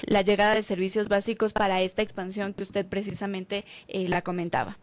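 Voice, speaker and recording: A woman interviewing a guest, asking formal, polite and measured questions. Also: medium pitch, flat delivery.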